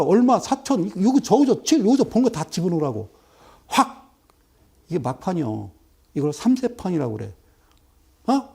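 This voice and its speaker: A middle-aged man lecturing viewers over a stock chart, animated and full of rhetorical questions and sudden exclamations. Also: high-pitched, gravelly, husky.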